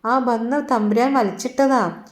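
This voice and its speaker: A woman's voice: fairly high pitch, unhurried, reverberant, close to an everyday voice. A woman doing a humble male farm servant. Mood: deferential.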